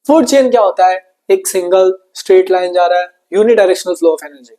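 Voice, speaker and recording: A man's voice: high-pitched, moderate pace, dark tone. A man teaching a science lesson in a chatty, repetitive way, calling his students brother and mixing in English with an Indian accent. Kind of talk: online exam-prep lesson.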